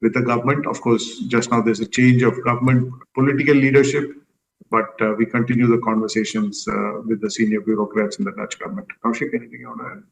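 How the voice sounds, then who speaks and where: A man answering as a company executive on an earnings call, measured and diplomatic in his explanations. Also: mid-range voice, little pitch movement, gravelly, slight background noise. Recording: roomy, echoing conference call audio.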